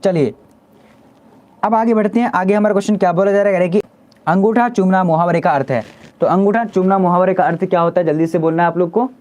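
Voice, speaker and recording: A male teacher running a live online exam-prep class, firing quick quiz questions and repeating each answer. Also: high voice, darkish tone.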